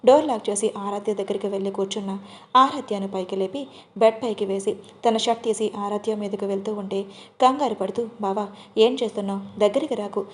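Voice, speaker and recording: Lady narrating an audiobook romance, steady reading, middle pitch. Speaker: storyteller.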